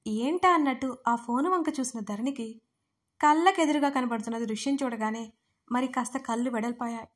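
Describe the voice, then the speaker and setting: A woman storyteller giving an expressive, dramatic reading of a scripted audio story. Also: on the high side, normal speed.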